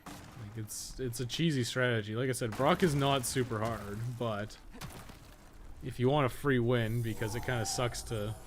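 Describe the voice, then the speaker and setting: A man with a mid-pitched voice streams a game and chats casually with viewers. He thinks aloud in halting, colloquial bursts and swears freely. There is clear noise and ambience behind his voice. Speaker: game streamer and guide maker.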